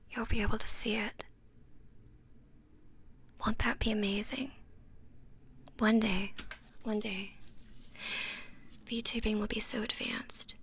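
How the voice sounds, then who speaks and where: A VTuber streamer whispers playfully and teasingly to her chat close to the microphone, in ASMR style. Her mid-range voice is a bit bright, with vocal fry and a breathy edge.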